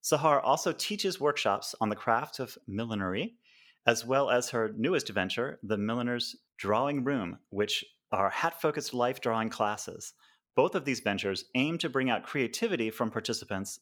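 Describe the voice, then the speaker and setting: An American man hosts a relaxed podcast conversation. He is friendly, laughs easily and sometimes stumbles over his words with fillers. His voice sits at an ordinary middle pitch. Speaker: podcast host. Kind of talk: casual interview chat.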